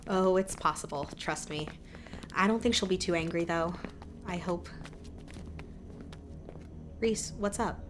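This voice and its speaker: A woman's voice: fairly low pitch, unhurried, long pauses, noisy background, lightly acted. A woman playing an anxious small-town local, worried and urgent, in an audio drama. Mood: wry.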